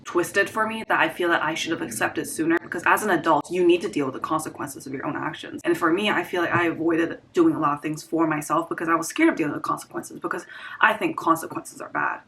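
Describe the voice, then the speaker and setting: Young woman in her twenties, quick earnest vlog delivery, slightly low voice; reflective, repeats herself for weight. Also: animated, a bit bright, low-quality recording. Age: 20s. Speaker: vlogger.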